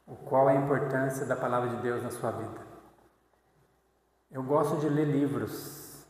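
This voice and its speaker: A man's voice: medium pitch, measured pace, a little mellow. A man preaching a conversational sermon in church, often ending thoughts with a questioning "right?". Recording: echoey church hall.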